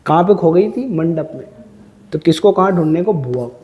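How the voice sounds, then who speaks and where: A man's voice: fairly high pitch, animated, moderate pace, mellow. A man teaching a classroom lecture, quizzing students and drilling numbers through repetition.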